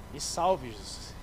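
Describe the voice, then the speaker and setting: A man, a pastor preaching a sermon in church, lively, acting out little scenes and speaking straight to the congregation. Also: high-pitched, noisy background. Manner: animated, acts out scenes, addresses the congregation directly.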